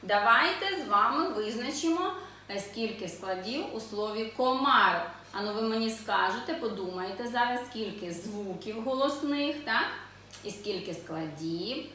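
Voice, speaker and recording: A woman teaching young children to read, sounding out syllables slowly and asking the class questions in a sing-song way. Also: fairly high pitch, animated, bright, forceful tone. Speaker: preschool teacher. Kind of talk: children's literacy lesson. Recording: echoey room, voice from a distance.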